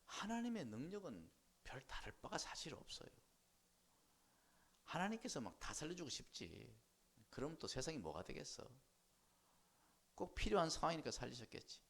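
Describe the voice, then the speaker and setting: Gravelly, animated Korean pastor preaching. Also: male voice, a little high, moderate pace, pauses often. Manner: animated preaching, asks the congregation for responses, acts out voices. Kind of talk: sermon. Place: church.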